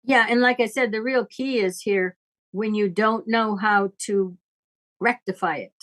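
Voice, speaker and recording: A woman's voice: medium pitch, a little slow, fairly bright tone. An older woman talking off the cuff like a teacher in conversation, blunt and probing. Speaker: astrologer giving teachings.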